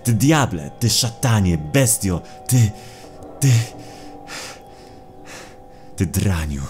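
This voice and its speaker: Mężczyzna grający w słuchowisku grozy młodego, zrozpaczonego chłopaka, który z goryczą oskarża. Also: male voice, low voice, sing-song, very slow, darkish tone, soft background music, pitched above the performer's own voice, full character voice. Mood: furious. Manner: bitter, emotional, accusing. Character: anguished, accusing young man bound by a pact. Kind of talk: audio drama horror acting.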